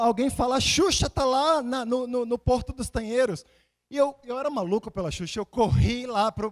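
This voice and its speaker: A male preacher from Salvador, Bahia, Brazil, with a notably high-pitched voice, gives a conversational sermon of personal anecdotes and scripture readings. He tells it like a storyteller, repeating phrases for emphasis and posing rhetorical questions to listeners.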